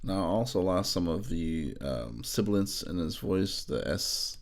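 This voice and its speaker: Male tutorial narrator, low gravelly register, informal, thinks aloud while demonstrating. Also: animated, a little slow, background noise. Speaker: audio engineer giving a software tutorial. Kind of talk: casual screen-recorded tutorial narration.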